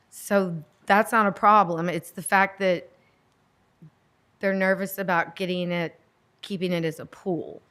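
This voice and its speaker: A middle-aged woman with a loud voice giving informal testimony at a public meeting, earnest, defensive and rambling. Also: on the low side. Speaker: property owner addressing a board. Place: indoor public meeting room.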